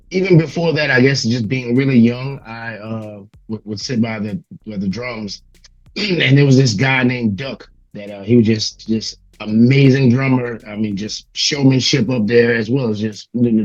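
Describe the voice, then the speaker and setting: Male musician guest, raspy. Relaxed conversational reminiscing, mid pitch, dry and a little lo-fi. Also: moderate pace, no echo. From Louisiana, United States. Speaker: singer, interview guest. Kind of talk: casual reflective chat.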